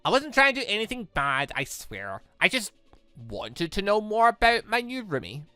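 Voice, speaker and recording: Someone putting on a cheeky, animated young woman. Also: mid-range voice, moderate pace, clean tone, dry recording, faint music behind. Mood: playful, cheeky.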